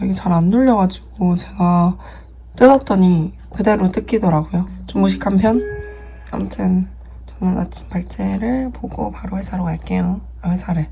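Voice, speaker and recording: A woman's voice: medium pitch, vocal fry, dark tone, a little hiss or hum. A woman in her twenties talking casually and playfully as she narrates her day for a vlog. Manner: playful, chatty self-narration. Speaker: vlogger and broadcast reporter.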